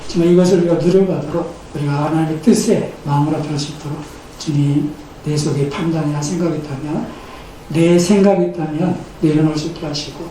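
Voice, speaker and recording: A man's voice: on the high side, fairly even intonation, brisk, dark tone. A man in his fifties preaching a sermon as pastor, earnest and building emphasis as he speaks. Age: 50s. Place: church sanctuary. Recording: echoey church hall, mic at a distance, faint noise.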